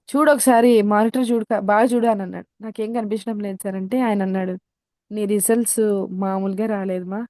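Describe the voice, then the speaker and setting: A woman's voice: fairly high pitch, warm tone, no room sound. A woman from India, giving a personal testimony in a sermon, telling her story earnestly and repeating phrases for effect. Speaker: Christian speaker giving testimony.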